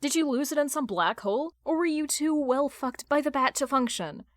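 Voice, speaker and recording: A woman voicing a sharp, judgmental businesswoman with a blunt, sarcastic, deadpan delivery in an audio fan-fiction drama. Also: high-pitched, normal speed, no room sound, clean studio sound, pitched above the performer's own voice, natural voice. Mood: venomous.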